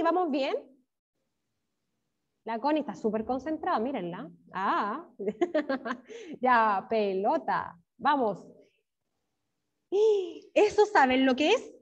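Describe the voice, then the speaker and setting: A Chilean primary school teacher with a high voice leads an online class for young children, speaking unhurriedly and stretching words out syllable by syllable. She's encouraging and praises pupils by name, and the video-call sound is dull.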